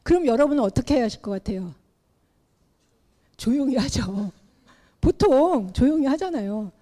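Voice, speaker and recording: A middle-aged woman preaching a sermon in an animated way, acting out the Bible characters as she tells their story. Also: high-pitched, moderate pace. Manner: animated, acts out the Bible characters in her telling.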